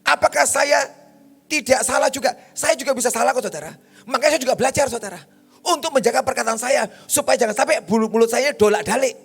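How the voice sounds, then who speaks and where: A man's voice: very high-pitched, quick pace, gravelly, fairly bright tone, breathy edge, soft background music. A male pastor from Makassar preaching a sermon in a blunt, emphatic way, often calling out to the congregation. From Makassar, Indonesia.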